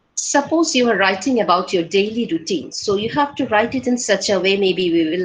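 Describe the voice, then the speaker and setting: An unremarkable speaking voice from a woman, fairly quick, with ordinary pitch variation. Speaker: English teacher. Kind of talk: workshop lecture.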